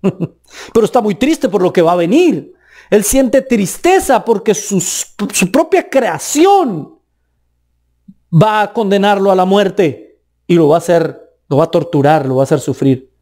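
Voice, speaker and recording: Colombian preacher man, mellow voice. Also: expressive, measured pace. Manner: emphatic, rising and dropping pitch for stress. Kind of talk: sermon.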